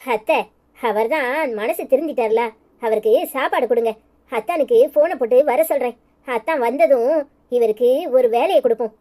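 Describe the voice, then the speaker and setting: A woman voicing a shrill tearful village mother. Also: moderate pace, mellow, close to an everyday voice. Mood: worried. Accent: Tirunelveli Tamil. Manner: fierce and tearful. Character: emotional, fiery village mother. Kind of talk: cartoon voice acting.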